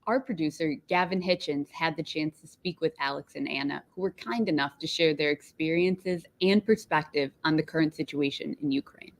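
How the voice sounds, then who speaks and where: Young female news anchor, lowish voice. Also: moderate pace, hardly any pauses, low-quality recording. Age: young adult. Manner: polite, read-from-script. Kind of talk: scripted news reading and interviewing.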